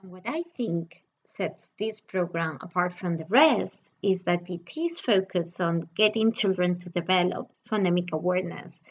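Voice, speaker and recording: A woman whose first language is Spanish, hosting a channel and calmly explaining a reading program in a scripted, personal review. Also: lowish voice, moderate pace, hardly any pauses, highs cut off.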